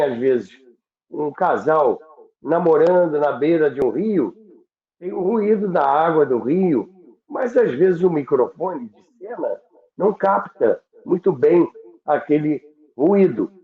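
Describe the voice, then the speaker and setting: Brazilian man, slow and explanatory, phone-like sound. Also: fairly high pitch, very animated. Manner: didactic, halting, repeats and rephrases points. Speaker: radio history commentator and guest. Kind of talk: unscripted explanatory talk recalling broadcasting history. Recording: echoey, narrow phone-like call sound.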